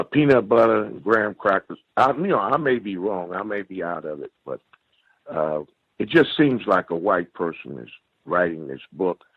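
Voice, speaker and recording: A man in his sixties calling in to a book discussion, speaking in a halting, thoughtful and critical way. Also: low voice, slightly rough, dry recording. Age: 60s. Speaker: caller on a study-group call. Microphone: phone. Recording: tinny dry phone line.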